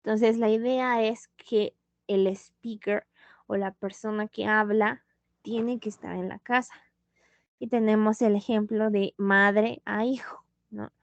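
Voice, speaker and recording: Woman teacher, patient, slow, dry muffled sound. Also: mid-range voice, fairly even intonation, dry recording. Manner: slow, patient, switching into Spanish to explain. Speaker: English teacher. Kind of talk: online English lesson.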